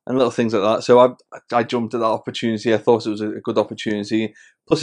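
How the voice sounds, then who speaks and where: The host of a hobby channel, a man in his thirties from the Wirral, talks casually and in a friendly manner to camera. His mid-range voice has a darkish tone and a Scouse-flavoured Wirral accent, and he restarts and uses fillers a lot.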